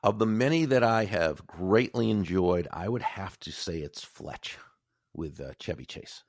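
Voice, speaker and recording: A middle-aged man from Massachusetts with a faint Boston accent, talking as a guest in a casual podcast interview, measured and full of fillers. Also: deep voice, expressive, dry recording, studio quality. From Massachusetts, USA.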